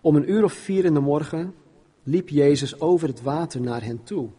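A man's voice: a little high, moderate pace, mellow, slightly rough. A man preaching an informal sermon and reading Bible passages aloud, often stumbling and repeating words as he talks.

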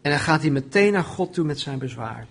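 A man preaching a sermon, often raising his voice when quoting pleas and dropping low and quiet on solemn points. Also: a little fast, husky. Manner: animated, voices the prophet's pleading with rising pitch.

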